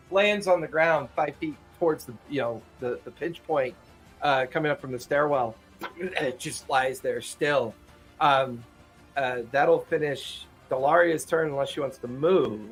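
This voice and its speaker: A man's voice: on the high side, a bit bright. A man narrating a tabletop roleplaying game as game master in a casual, improvised way.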